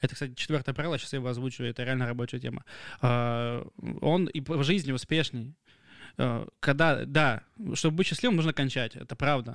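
On a very clean recording with a silent background, a man with a medium pitch talks at a fairly quick pace in fairly even intonation, with long, frequent pauses. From Russia, Krasnodar region (Novorossiysk, Abinsk). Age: 20s. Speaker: videographer and producer. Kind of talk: casual chat. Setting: at home during a meal.

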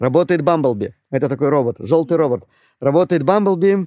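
A man speaks in a dark, mellow tone with ordinary pitch variation. The sound is dry and close, with no echo. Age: 30s. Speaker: children's party entertainer and musician. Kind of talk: casual interview chat. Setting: studio. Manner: animated storytelling.

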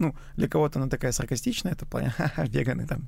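Vocal fry runs through this man's voice. He speaks very fast. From small Russian town. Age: 20s. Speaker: chef. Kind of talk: casual interview.

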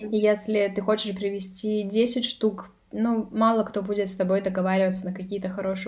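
A woman with a medium-pitched, somewhat breathy voice speaks at a fairly slow pace in a flat, monotone delivery. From Russia, Novosibirsk. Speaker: purchasing specialist for goods from China. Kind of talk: casual interview.

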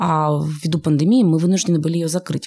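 A woman's dark, mellow tone at a fairly quick pace, in a dry, close sound with no echo. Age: 30s. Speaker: home baker. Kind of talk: testimony.

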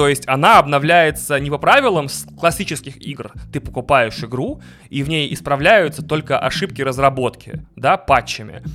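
At a moderate pace, a man with a fairly high pitch and a bright, sharp tone shows vocal fry, ordinary pitch variation and big swings in loudness. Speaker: video game enthusiast. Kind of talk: casual chat.

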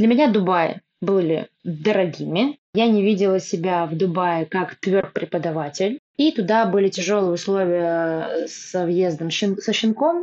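An unremarkable speaking voice from a woman, medium in pitch with ordinary pitch variation, at a fairly slow pace. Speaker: emigrant interviewee. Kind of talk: recorded personal story.

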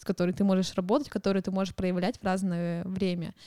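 The woman's voice has a dark, mellow tone. The sound is dry and close, with no echo. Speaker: podcast co-host. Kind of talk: casual chat. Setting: studio.

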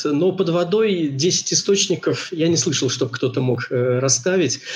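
A somewhat breathy voice with lively intonation. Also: man. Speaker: underwater photographer. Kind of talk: casual interview. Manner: hesitant, many filler sounds.

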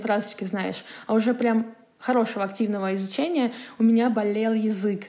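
Fairly quick speech from a woman, fairly high in pitch with ordinary pitch variation, against noticeable background noise. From Komi Republic, Russia. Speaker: interpreter. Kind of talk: casual chat.

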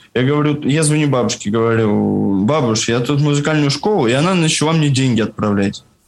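A man talks at a fairly quick pace with hardly any pauses and very even loudness. His pitch is medium, with ordinary variation. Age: 20s. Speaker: interviewee sharing personal experience of ADHD. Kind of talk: interview testimony. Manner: halting, filler-heavy speech.

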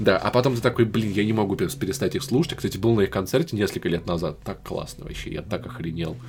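Lively intonation marks this man's fairly low voice as he talks at a very fast pace with hardly any pauses. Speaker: podcaster and music streamer. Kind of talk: casual chat.

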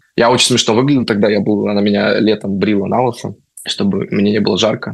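A man talks at a fairly quick pace with a fairly low pitch. It is an ordinary speaking voice with fairly even intonation. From Moscow, Russia. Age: 20s. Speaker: actor. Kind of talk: interview.

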